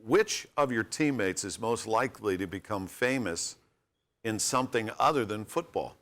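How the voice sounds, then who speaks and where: A man's voice: lowish voice, expressive, moderate pace, fairly bright tone. A man hosting a sports radio show, interviewing a college football player in a friendly, folksy way with joking asides.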